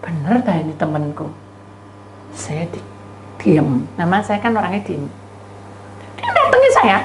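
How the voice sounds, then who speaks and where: Animated woman pastor preaching. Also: deep voice, creaky, echoey room, noisy background. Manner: chatty, animated, acts out both sides of a dialogue. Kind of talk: storytelling sermon. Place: church.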